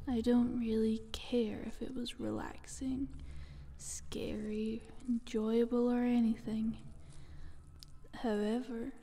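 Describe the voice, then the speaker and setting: Woman playing a slow, half-whispering sly eldritch monster. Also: a little high, mellow, slight background noise. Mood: sly, amused. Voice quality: breathy, often whispered. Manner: slow, teasing, condescending. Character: sly, taunting female eldritch monster from a dream world. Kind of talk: ASMR roleplay, soft half-whispered monologue.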